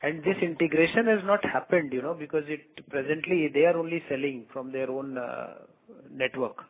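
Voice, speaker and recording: Higher-voiced Indian businessman on a phone line. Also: normal speed. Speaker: company executive on earnings call. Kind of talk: answering analyst questions on a conference call. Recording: tinny phone conference line.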